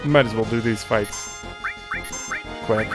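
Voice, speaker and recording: A man in his thirties with a lowish voice plays a video game and talks slowly, offering casual, rambling commentary as a let's play host. He also reads the game's dialogue aloud, with video game music behind him.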